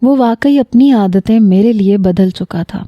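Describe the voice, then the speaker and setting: A woman narrating a romance story in the first person, with a calm, intimate storytelling delivery. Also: medium pitch, no echo, muffled recording.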